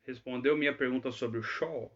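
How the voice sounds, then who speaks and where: A man's voice: mid-range voice, steady tone, moderate pace, dull audio. A man teaching English in a live Q&A, chatty and always checking in with tag questions. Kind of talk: live Q&A lesson.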